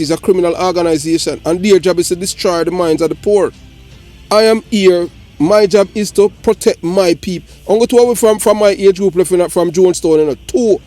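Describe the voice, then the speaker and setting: A Jamaican man ranting on a live political talk show, forceful and repetitive with many restarts. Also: sits high. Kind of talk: heated political call-in talk.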